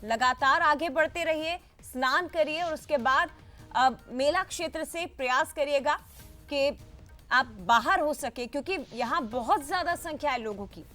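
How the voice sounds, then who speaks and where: News anchor lady, high voice, urging people to stay safe. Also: unhurried, pushed and bright, faint music behind. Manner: urgent appeals to the public. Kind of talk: live news commentary.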